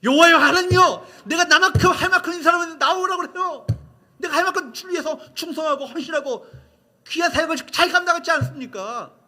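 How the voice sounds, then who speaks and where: A male pastor acting out a despairing prophet who cries out and protests loudly to God. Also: extremely high pitch, sing-song, drawn-out words, gravelly, hardly any pauses, breathy edge, full character voice. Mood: protesting.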